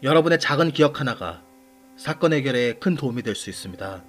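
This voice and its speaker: A man hosting and narrating a scripted true-crime series in a measured, formal manner, putting questions to the audience. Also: medium pitch, expressive. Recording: voice over background music. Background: background music.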